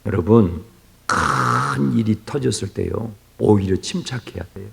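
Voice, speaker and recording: A male pastor gives an early-morning sermon in a church, swinging from hushed near-whispers to loud exclamations and asking the congregation questions. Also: lowish voice, lively intonation, measured pace, creaky. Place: church sanctuary. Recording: reverberant church hall.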